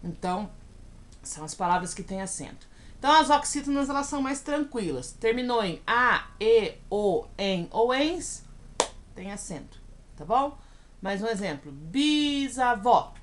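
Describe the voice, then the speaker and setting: Brazilian woman teaching slowly to a class. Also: medium pitch, lively intonation, slight background noise. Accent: Brazilian Portuguese. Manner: slow, deliberate spelling out of example words; checks in with frequent "tá bom?". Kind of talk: recorded video lesson.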